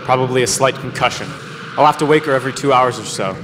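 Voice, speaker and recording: A man's voice: medium pitch, quick pace, background noise, natural voice. A teenage male actor playing a dogged, exasperated young pilot in a radio play, recorded live on stage. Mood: matter-of-fact.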